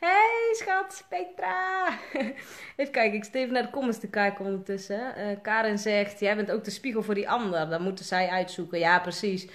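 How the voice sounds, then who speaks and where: A woman's voice: medium pitch, steady tone, quick pace, few pauses. Dutch-accented woman coach, loose rambling live-chat delivery, filler-heavy. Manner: chatty, rambling, many fillers. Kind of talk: casual live video chat.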